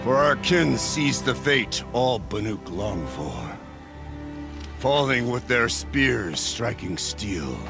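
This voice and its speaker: An actor playing a solemn, fervent tribal hunters' leader in a video game, declaiming a drawn-out ceremonial funeral oration. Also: male voice, mid-range voice, very animated, vocal fry, heavily acted. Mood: solemn, fierce. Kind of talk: dramatic ceremonial oratory. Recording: loud music behind. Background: music.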